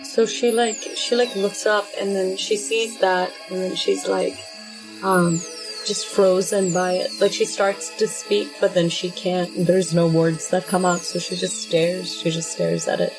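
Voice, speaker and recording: A woman's voice: lowish voice, little pitch movement, measured pace, low-quality recording. A woman playing a tabletop game, narrating her character in the third person in casual, piecemeal phrases. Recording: music playing under the voice.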